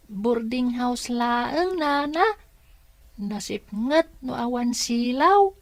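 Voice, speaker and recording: Actress as young boy, inquisitive and polite, unhurried delivery, dry sound, Ilocano drama. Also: mid-range voice, lively intonation, dry recording. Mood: eager, polite. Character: curious, chatty, polite young boy named Barok. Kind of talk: Filipino radio drama acting in Ilocano.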